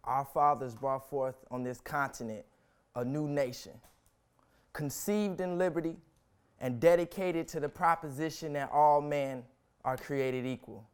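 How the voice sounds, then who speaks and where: A young man reciting a historic speech as solemn, dramatic oratory, with deliberate, emphatic phrasing and long pauses. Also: a little high, clean tone. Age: young adult.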